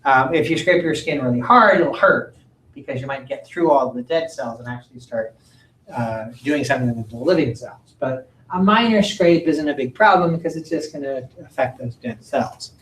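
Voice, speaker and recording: A man giving a recorded lecture from slides, halting often with ums and uhs and clearing his throat. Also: medium pitch, fairly bright tone, rough recording. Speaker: college lecturer.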